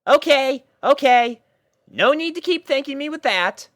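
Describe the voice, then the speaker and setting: Someone voicing a high-pitched, animated cartoon pony mare. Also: measured pace, no room sound, studio quality. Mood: excited. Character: brash, caring cartoon pegasus pony mare, excitable.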